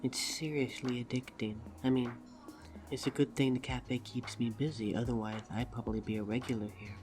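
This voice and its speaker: A woman's voice: a bass voice, flat delivery, music in the background. A woman playing a shy, flustered, affectionate date in an intimate, hesitant romantic ASMR roleplay. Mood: relaxed, friendly. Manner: awkward, hesitant, halting delivery. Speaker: audio roleplay voice actor.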